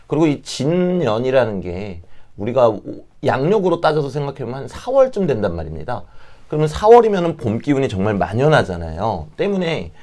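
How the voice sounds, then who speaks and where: A man with a slightly hoarse, catching throat, explaining things politely and informally as an advisor speaking to parents. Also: medium pitch, big pitch swings, a little fast, darkish tone. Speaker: fortune-telling advisor, channel host. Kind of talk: informal explanatory talk to camera.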